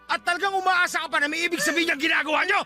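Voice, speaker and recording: High-pitched, furious betrayed fiancé. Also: male voice, steady tone, rapid-fire, heavily acted. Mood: enraged. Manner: shouting, accusatory. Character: furious betrayed fiancé confronting his cheating girlfriend. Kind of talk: Tagalog radio drama acting. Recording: dramatic music underneath.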